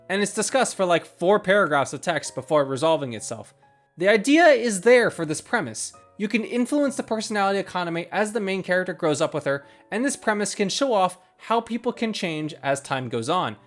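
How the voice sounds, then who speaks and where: A man with a fairly high voice delivers a scripted review. His pitch moves in lively swings as he explains and stresses his criticisms. Soft background music plays under the voice-over. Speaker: video game reviewer. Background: ambient background game music.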